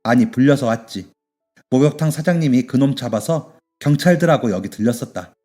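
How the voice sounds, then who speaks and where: A man's voice: medium pitch, fairly quick, darkish tone, soft background music, close to an everyday voice. A man voicing a blunt but kind middle-aged male shop owner who talks to his young worker like a father in a radio story. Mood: gruff caring.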